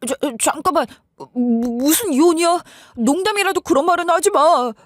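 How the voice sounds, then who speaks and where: A stammering husband pleads in a high, lively voice, as a woman narrator puts him on. He begs again and again, and the sound is close and dry. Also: normal speed, no echo. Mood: pleading. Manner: stammering, begging. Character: pleading, stammering husband, young adult man.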